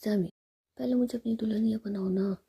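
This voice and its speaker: A woman's voice: medium pitch, steady tone, brisk, dark tone, slightly rough. A woman voicing a playful but worried young woman facing an arranged marriage, whispered.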